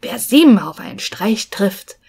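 A woman's voice: mid-range voice, sing-song, moderate pace, gravelly, darkish tone, breathy edge, full character voice. A woman voicing a cheeky, boastful little male tailor in a fairy-tale audiobook, sounding sure of himself. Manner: boastful, self-assured.

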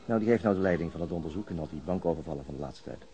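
A man's voice: deep voice, racing, dark tone, natural voice. An actor playing a subdued, hesitant, understated policeman in a Dutch radio crime drama. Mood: hesitant, serious. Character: subdued, hesitant male policeman back from hospital.

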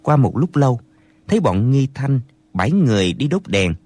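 A man narrating a martial arts novel as an audiobook in an expressive storytelling manner, close to the mic. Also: mid-range voice, moderate pace, no echo.

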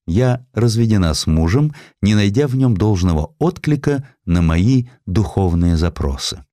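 A man's voice: lowish voice, expressive, normal speed, mellow, no echo, studio quality, close to an everyday voice. A man voicing a demure, calculating princess in a storybook reading, speaking with delicate, genteel modesty. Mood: feigned modesty. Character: demure, calculating aristocratic woman, a scheming princess.

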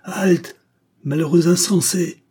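A man's voice: mid-range voice, moderate pace, warm tone, husky, pitched above the performer's own voice, close to an everyday voice. A man reading aloud, voicing an old white-haired village priest who commands an angry crowd in a raised, preaching voice. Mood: commanding.

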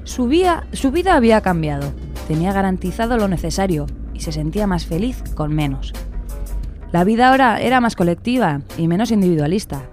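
A woman's voice: medium pitch, very animated, a little fast, darkish tone, soft background music, close to an everyday voice. A woman in a radio play narrating a hopeful tale in an earnest, scripted storytelling style. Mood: earnest, measured.

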